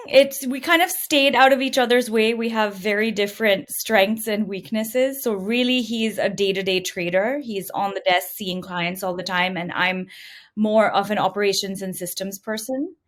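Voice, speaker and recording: This woman's medium-pitched voice is a bit bright as she speaks conversationally on a podcast. A middle-aged entrepreneur from India, she answers interview questions by sharing her personal experience.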